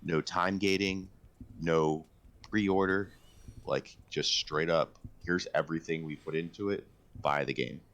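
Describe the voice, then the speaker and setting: A man's voice: low-pitched, fairly even intonation, measured pace, fairly bright tone. A man co-hosting a casual podcast, talking about video games in an emphatic, enthusiastic way. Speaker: podcast co-host. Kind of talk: casual video game discussion.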